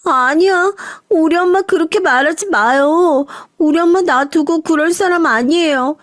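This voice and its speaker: A woman's voice: very high voice, measured pace, no echo, studio quality, voice pushed up. A woman voicing a frightened, pleading eleven-year-old girl in an audio story drama. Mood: tearful protest. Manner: pleading, crying out.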